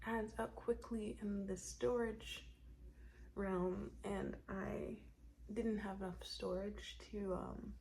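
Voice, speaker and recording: A woman whispers quietly at a very slow pace. Audible room echo surrounds her voice. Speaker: beauty and lifestyle vlogger. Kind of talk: casual get-ready-with-me chat. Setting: at home in apartment. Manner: whispering, quiet; slow, deliberate.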